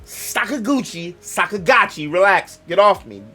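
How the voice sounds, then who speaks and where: Soft music plays behind a young gaming host whose high, pushed, bright voice has lively intonation at an unhurried pace. He speaks African American English in a loose, joking, rambling monologue that keeps interrupting itself.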